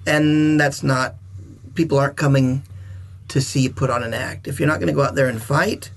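A middle-aged man, a veteran wrestler and guest, telling stories in a casual chat, animated and swinging between loud and soft. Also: medium pitch, moderate pace, vocal fry.

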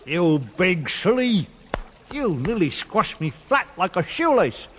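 A man voicing a boastful, cheeky male worm who draws his words out slowly. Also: sits high, big pitch swings, a bit bright, a little hiss or hum, heavily acted. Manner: slow, drawn-out and cheeky. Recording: reverberant room, faint music.

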